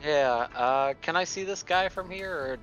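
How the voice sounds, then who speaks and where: A man's voice: a little high, moderate pace, muffled recording. A man playing a tabletop roleplaying game, chatting casually as he makes his moves. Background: prominent music under the voice.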